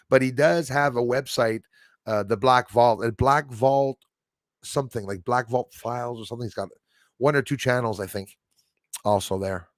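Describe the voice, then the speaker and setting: A man's voice: mid-range voice, no echo, studio quality. A man chatting casually as a livestream host, enthusiastic and rambling, addressing his viewers like buddies. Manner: enthusiastic, rambling, chummy with listeners.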